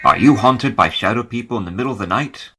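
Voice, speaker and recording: A man's voice: on the low side, fast talker, noisy background. A man reading a scripted spooky radio promo with a dramatic announcer delivery.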